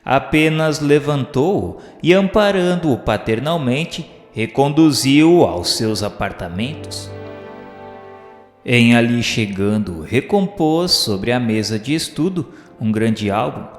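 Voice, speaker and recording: Slow, solemn Brazilian man narrating in reverb. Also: medium pitch, lively intonation. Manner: solemn, literary, theatrical phrasing. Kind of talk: dramatic scripted narration of a radio novel. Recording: echoey, long reverb, music underneath.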